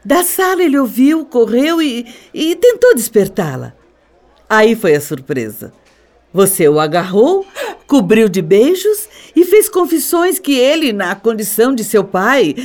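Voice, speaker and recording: A woman's voice: mid-range voice, big pitch swings, a little slow, darkish tone. An actress playing a composed, condescending middle-aged stepmother in a radio soap opera, with a Brazilian accent and a theatrical manner. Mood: grave, insinuating.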